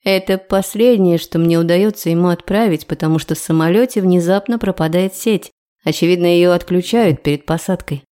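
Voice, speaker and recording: A young woman narrating a first-person audiobook in a lively, ironic way. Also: on the low side, a little fast.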